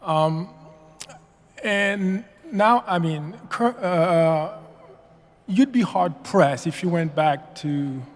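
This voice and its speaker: A man from Haiti giving public comment at a meeting, halting and full of fillers and restarts. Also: high voice. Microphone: podium mic. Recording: long reverb of a meeting hall.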